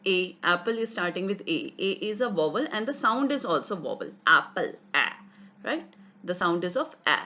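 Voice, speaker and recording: A woman's voice: on the low side, very animated, normal speed, bright, forceful tone, lo-fi sound. A woman with an Indian English accent teaching an online grammar class, explaining rules step by step and often checking "right?" and "got it?".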